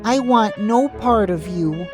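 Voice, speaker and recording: A man's voice: high voice, lively intonation, takes it slowly, over music, pitched above the performer's own voice. A man voicing an emotional, worried woman at a hospital in an audio drama, with plaintive delivery. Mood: hurt, bitter. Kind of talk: amateur audio drama acting. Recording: noisy track.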